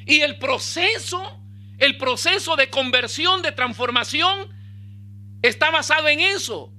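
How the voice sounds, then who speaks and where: A male pastor, preaching a sermon with bursts of emphasis and quiet low asides. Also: animated, a little slow.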